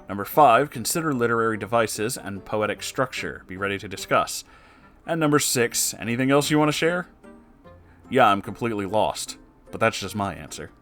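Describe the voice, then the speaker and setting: Man, mid-range voice, casual story narration, sarcastic commentary, animated, sweary, exasperated asides, music behind. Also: medium pitch. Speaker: host reading listener-submitted stories aloud with reactions.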